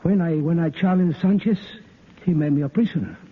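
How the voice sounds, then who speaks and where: Earnest patriot voiced by a man, slightly high voice, tinny old radio line. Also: brisk, close to an everyday voice. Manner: earnest, dignified. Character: noble wronged Mexican patriot, weary man. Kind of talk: 1950s radio drama acting.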